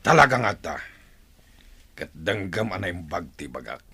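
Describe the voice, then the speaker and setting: A man playing a ruthless, commanding tribal chief with a rough voice in an Ilocano radio drama. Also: sits low, big pitch swings, bright, forceful tone, no echo, full character voice. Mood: menacing. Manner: slow, commanding. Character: ruthless, vengeful male tribal chief giving murderous orders.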